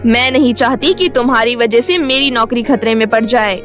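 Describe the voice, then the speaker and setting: A woman's voice: fairly bright tone, faint music behind, lightly acted. A woman voicing a stern, middle-aged school principal who speaks in curt, clipped orders. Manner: curt, lower and brisk.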